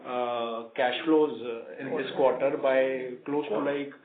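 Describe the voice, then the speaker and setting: An Indian-accented man, a finance executive giving halting, measured answers on an earnings call. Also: mid-range voice, fairly even intonation, crowd noise. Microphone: conference call phone. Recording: echoey, tinny conference phone line.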